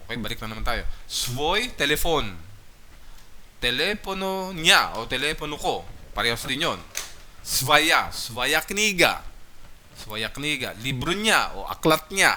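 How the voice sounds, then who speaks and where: This man's voice sits fairly high and has a bright, sharp tone with very wide pitch swings. He speaks at a fairly slow pace with long, frequent pauses, and the room echo is audible. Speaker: Russian language teacher. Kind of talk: language lesson. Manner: halting, many fillers.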